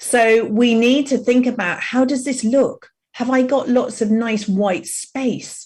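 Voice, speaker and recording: A woman's high voice at a very slow pace, on a very clean recording with a silent background. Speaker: communication consultant and author. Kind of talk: interview. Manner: measured with pauses; eloquent.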